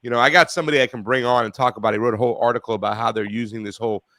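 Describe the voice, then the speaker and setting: A man hosting a call-in talk show, chatting casually, rambling and profane, getting loud and animated when he rants. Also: medium pitch, rapid-fire, no echo. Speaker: radio show host.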